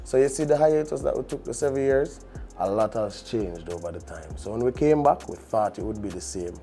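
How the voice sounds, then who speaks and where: A man's voice: mid-range voice, mellow. A man with a Jamaican accent, an event director explaining things in an interview.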